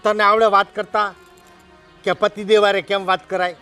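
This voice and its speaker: An actor with a Kathiyawadi accent playing a loud, hot-tempered village farmer who shouts and scolds his wife. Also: high-pitched, little pitch movement, moderate pace, clean tone, soft background music. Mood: scornful. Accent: Kathiyawadi Gujarati. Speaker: husband and farmer. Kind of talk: village family drama acting.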